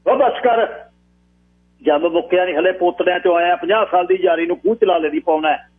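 A man voicing a proud, hot-tempered old village man who carries a walking stick, speaking in a high, strained, slow and emphatic voice. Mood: angry. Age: older. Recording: tinny phone-like radio broadcast.

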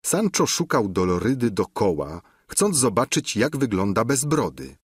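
A man narrating a classic novel for an audiobook, his voice breathy and slightly husky. He reads with animated, rising and falling intonation, close to the mic in a dry space. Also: fairly low pitch, a little slow, no echo.

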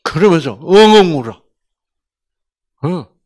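A man, a doctor, giving a faith-based health lecture: he tells a story with sudden loud jumps, quizzes the audience with constant questions, and drops to a whisper to act out quoted lines. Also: a little high, expressive, slow pace. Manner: acts out quoted speech and drops to whispers for effect.

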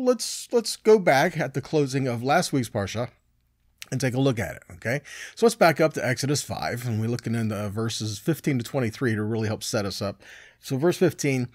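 A man in his forties teaching scripture in a conversational, animated sermon style. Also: mid-range voice, no echo, studio quality. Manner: conversational, animated, frequent "right?" and "okay?" tags. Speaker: Bible teacher.

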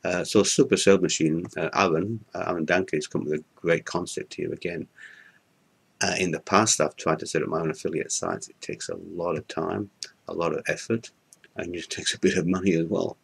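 An older man with a Yorkshire accent talks straight to a webcam in a room, his voice very low and a little husky. He speaks in halting, unscripted bursts, filling gaps with ums and uhs and restarting his sentences. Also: fairly even intonation. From Yorkshire, England. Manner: hesitant, many fillers and restarts. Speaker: product reviewer. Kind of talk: unscripted testimonial to camera. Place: indoor room in front of a curtain.

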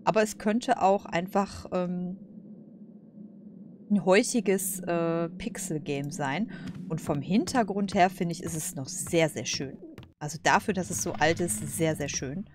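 A woman with a fairly low voice gives casual gaming commentary. She thinks aloud in a colloquial, hesitant way, with noticeable noise and game ambience behind her. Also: measured pace. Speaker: let's play host.

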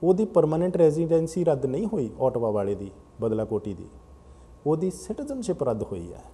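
A man's voice: on the high side, sing-song, fairly quick, warm tone, slight background noise. A man hosting a televised call-in talk show, patiently explaining at length to callers. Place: TV studio.

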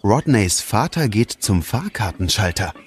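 A man's voice: on the low side, sing-song, unhurried, a little hiss or hum. A man narrating a scripted audio story for children. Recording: music behind the narration. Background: music.

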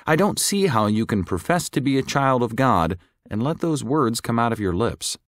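A man narrating a religious audiobook in a measured, clearly enunciated scripted reading. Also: mid-range voice, lively intonation, no room sound, clean studio sound.

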